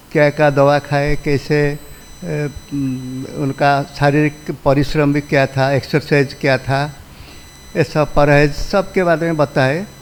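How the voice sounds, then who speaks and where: A man with a fairly high voice speaks in a flat monotone over noticeable background noise. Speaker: doctor. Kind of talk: testimony.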